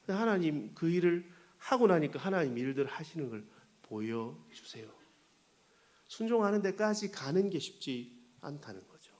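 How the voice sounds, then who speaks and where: A pastor preaching to Sunday school teachers in a lively, storytelling way. His voice sits a touch high for a man and swings widely in pitch as he jokes and asks the room questions. He stays conversational and animated throughout. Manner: animated storytelling with playful asides to the audience.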